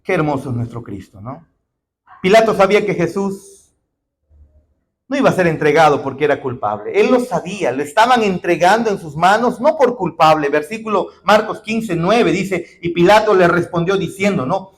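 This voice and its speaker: High-voiced emphatic preacher. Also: male voice, animated, normal speed. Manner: emphatic, rises to shouted declarations, keeps addressing listeners as brother. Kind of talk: sermon.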